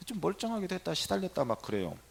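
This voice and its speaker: A middle-aged man, a Catholic priest, telling a story in a sermon and acting out the quoted dialogue with lively energy. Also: sits high, quick pace, gravelly.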